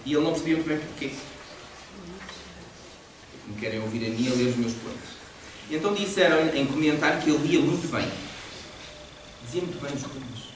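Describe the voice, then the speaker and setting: Male teacher, a bit higher voice, animated and laughing, recorded far off in a noisy echoey hall. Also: brisk, long pauses. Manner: lively, explanatory, laughs often. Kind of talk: classroom poetry lesson. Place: large echoey library hall.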